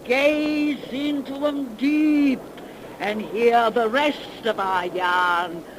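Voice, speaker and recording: A woman voicing an old cackling witch who tells tales in a slow folksy dialect drawl, in 1930s radio drama style. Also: a little high. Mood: eerie folksy. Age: older. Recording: noisy 1930s radio recording.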